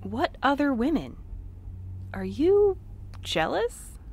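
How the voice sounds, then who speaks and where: A woman's voice: sits high, very animated, takes it slowly, a little mellow, full character voice. An actress playing an earnest, romantic, stubborn woman courier, emotionally open, in a naturalistic audio drama. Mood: hurt, defensive.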